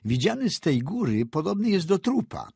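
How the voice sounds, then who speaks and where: A man's voice: high-pitched, big pitch swings, normal speed, vocal fry, darkish tone, husky, no echo, voice pushed up, heavily acted. A male narrator voicing a shrewd, ironic engineer who bargains coolly and mocks. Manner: cool, ironic, mocking.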